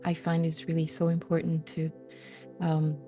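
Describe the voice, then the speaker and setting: A woman hosts an interview in a mellow, rather low voice. She speaks gently and effusively, giving soft affirmations. Faint music sits underneath. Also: monotone, normal speed. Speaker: host. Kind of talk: interview hosting.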